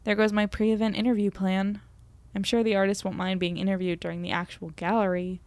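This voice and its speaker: A woman's voice: mid-range voice, little pitch movement, a little fast, darkish tone, no echo, lightly acted. A woman playing an earnest, self-deprecating young podcaster, chatty and descriptive as she narrates her evening in an audio drama. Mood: impatient.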